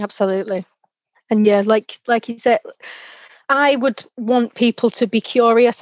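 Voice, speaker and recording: Speaking at a moderate pace, a woman has a plain, everyday voice with fairly high pitch and a dry, close sound with no echo. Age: 30s. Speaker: sales engineer. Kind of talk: interview.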